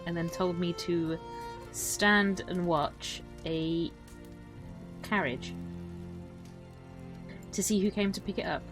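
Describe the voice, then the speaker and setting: Woman playing a lowish-voiced, wry western traveler. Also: close to an everyday voice, poor audio. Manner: dry understatement, hesitant deliberate phrasing. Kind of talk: casual in-character campfire storytelling.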